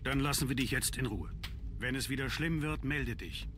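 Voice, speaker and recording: An actor playing an authoritative, solicitous gentleman of a manor family in a video game. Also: medium pitch, animated, normal speed, slight background noise, lightly acted. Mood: reassuring. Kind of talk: German video game voice acting.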